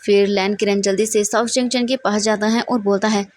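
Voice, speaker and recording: A woman narrating a fan fiction story in a steady, plain retelling. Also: medium pitch, brisk, slight background noise.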